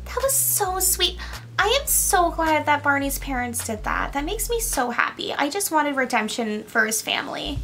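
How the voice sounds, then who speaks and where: A woman reacting to a show as she watches it, her voice high and bright. She gasps and gushes excitedly in casual commentary, with faint music playing underneath. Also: normal speed. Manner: gushing, excitable gasps and exclamations. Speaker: reaction video creator.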